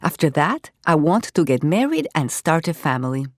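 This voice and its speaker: An ambitious young aspiring model. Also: female voice, sits low, big pitch swings, moderate pace, no room sound, clean studio sound. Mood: matter-of-fact. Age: young adult. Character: 20-year-old woman, aspiring model, ambitious.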